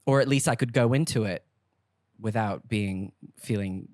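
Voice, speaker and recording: A man's voice: fairly low pitch, moderate pace, a little mellow, no echo. A young man from Hong Kong, a guest comedian in casual podcast chat, self-deprecating and prone to hesitant restarts. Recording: dry close podcast mic.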